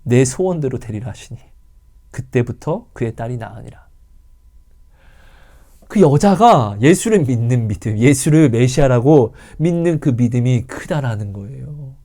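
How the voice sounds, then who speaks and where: A man preaching a sermon in an emotional, dramatic way, swinging from loud calls to hushed whispers and asking the listeners rhetorical questions. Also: medium pitch, expressive, measured pace. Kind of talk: sermon and testimony.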